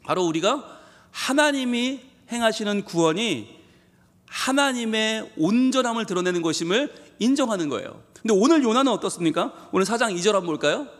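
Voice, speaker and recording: A man's voice: lively intonation, a little fast, big-room sound. A man, a pastor, preaching a Sunday sermon with emphatic delivery, acting out a prophet's complaints. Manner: emphatic preaching, voicing Jonah's complaints with rising pitch. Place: church sanctuary.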